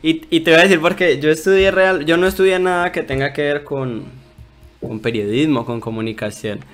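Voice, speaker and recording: Male host, higher voice, chatty, long winding questions, faint music underneath. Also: fairly even intonation, brisk. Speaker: interview host. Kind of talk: casual interview.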